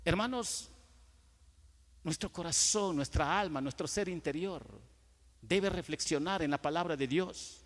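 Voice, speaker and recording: A male pastor with a Guatemalan Spanish accent preaching a sermon in a church, swelling to loud emphasis and dropping to quiet asides. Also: fairly high pitch, unhurried. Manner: acts out dialogues with churchgoers. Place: church sanctuary. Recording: long church reverb.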